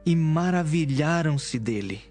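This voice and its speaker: A man's voice: a little high, animated, a little slow, darkish tone, soft background music. A man with a Brazilian accent giving scripted narration of scripture as a narrator.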